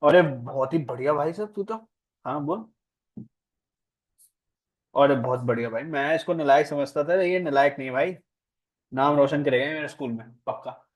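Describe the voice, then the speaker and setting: Man, commerce teacher, teasing, classroom lecture, fairly high pitch. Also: normal speed, pauses often. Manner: playful, teasing, questions students.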